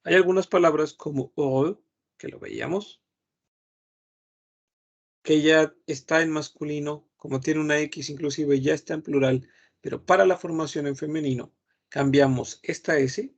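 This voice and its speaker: A man's voice: on the high side, fairly even intonation, moderate pace. A man teaching a patient grammar lesson online, repeating each word and humming while he thinks. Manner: patient, repeats words several times, thinks aloud with hums. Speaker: French teacher.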